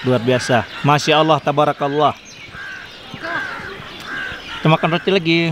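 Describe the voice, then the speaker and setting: A man's voice: a little high, normal speed, noisy background. A young man chatting casually on a travel vlog, laughing often and mixing in broken English, filmed on a handheld phone outdoors. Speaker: vlogger. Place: outdoor park among a seated crowd. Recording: outdoor crowd chatter behind.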